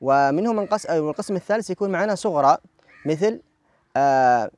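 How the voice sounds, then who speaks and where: A man's voice: on the high side, expressive, quick pace, a little mellow, no room sound. A man, a recitation judge patiently quizzing a contestant on the rules of Quran recitation and repeating words for emphasis.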